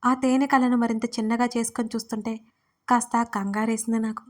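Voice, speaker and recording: A woman's voice: on the high side, a little fast. Woman narrating a first-person audio story. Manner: lively, dramatic first-person telling.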